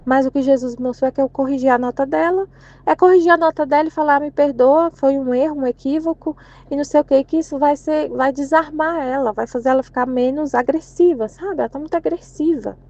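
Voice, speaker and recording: A woman's voice: high voice, fast, darkish tone, muffled recording. A woman sharing a casual religious reflection in a conversational way, restarting her sentences and acting out quoted speech. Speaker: catholic channel presenter.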